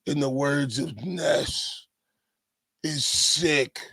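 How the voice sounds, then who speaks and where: A man's voice: a little high, very slow, pushed and bright, husky, no echo, poor audio. A man commentating on clips with incredulous, profane ranting. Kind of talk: reaction commentary.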